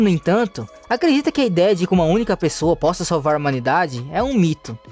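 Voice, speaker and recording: A man tells a manga story in a high, bright register, his pitch swooping up and down as he narrates. Soft music plays faintly behind him throughout. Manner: lively storytelling with rising and falling pitch. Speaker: recap narrator. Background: faint background music.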